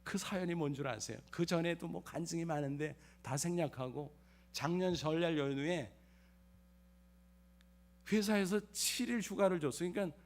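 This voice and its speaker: A man's voice: on the high side, normal speed. A man in his fifties, a pastor telling a personal family story in a sermon with emphatic repetitions and acted dialogue. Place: church sanctuary.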